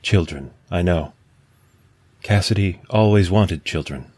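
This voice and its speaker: An actor voicing a thoughtful male android, soft-spoken and reflective. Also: sits low, a little slow, breathy edge, no room sound. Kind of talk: radio drama acting.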